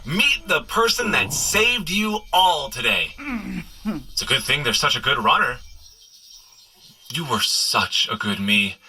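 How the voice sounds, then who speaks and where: An actor playing an excitable, joking superhero in a comedy audio adventure, speaking in an animated, exclaiming way. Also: male voice, mid-range voice, takes it slowly, pauses often, a little hiss or hum, full character voice, rough recording. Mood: cheerful.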